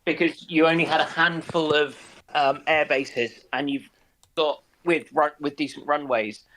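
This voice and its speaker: A man in casual discussion on a naval history stream, speaking haltingly with dry humour. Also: a little high, steady tone, bright, forceful tone, low-quality recording. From United Kingdom.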